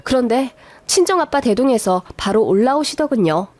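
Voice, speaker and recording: Young woman reading a radio story, high voice, confiding and fed up. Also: animated, moderate pace, darkish tone, dry recording. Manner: confiding, exasperated. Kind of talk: scripted narration of a radio story.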